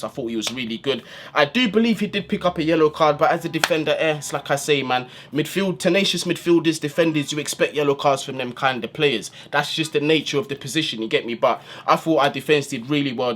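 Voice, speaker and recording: A man's voice: medium pitch, fairly bright tone, a little hiss or hum. A man giving a casual, slang-filled post-match breakdown as a football fan channel host, recorded indoors in a room. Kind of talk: post-match analysis monologue.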